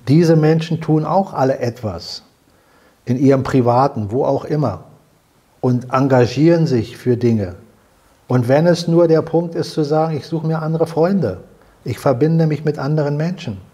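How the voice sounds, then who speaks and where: Older male host, earnest explainer, dark husky voice, room-miked. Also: fairly high pitch, normal speed. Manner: earnest, explanatory, repeats himself while searching for words. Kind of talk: salon conversation. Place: living room with fireplace, indoors.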